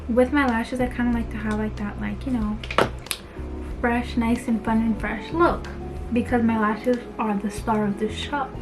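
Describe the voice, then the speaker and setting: A young woman chatting playfully through a casual makeup tutorial in a bedroom, her speech slightly slurred by a retainer. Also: on the high side. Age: young adult. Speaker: beauty vlogger. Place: small bedroom indoors.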